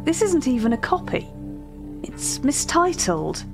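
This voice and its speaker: A woman's voice: high voice, big pitch swings, creaky, full character voice. Woman playing a meticulous, eerie curator, music behind. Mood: formal, grave. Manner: formal, measured, hushed at times. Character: meticulous, eerie auction-house curator describing strange artworks. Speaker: voice actor in a fiction podcast. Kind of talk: scripted dramatic narration, dictated catalogue entries.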